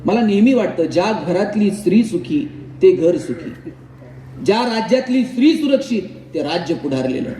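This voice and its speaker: High-pitched male motivational speaker, mellow dark tone, storytelling oratory, distant roomy hall sound. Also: very animated, normal speed, a little hiss or hum. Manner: oratorical storyteller, builds lists and punchlines. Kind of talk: public motivational speech with anecdotes. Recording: echoey hall recorded from far off, faint ambience.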